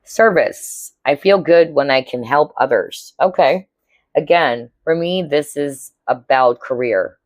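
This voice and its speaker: A woman with a hoarse, cracking voice giving a casual tarot reading to viewers, chatty and often checking in with her listeners. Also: sits low, slow pace, a little mellow, no room sound. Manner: chatty, keeps checking in with "all right?" and "okay?". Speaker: tarot reader.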